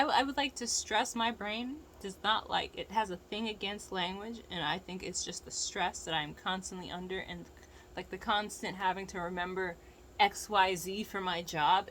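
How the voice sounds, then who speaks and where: A woman's voice: mid-range voice, bright, forceful tone, slight background noise, poor audio. An American woman with a lisp, talking casually and frankly in a rambling, profane, opinionated rant to viewers. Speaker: vlogger giving opinions.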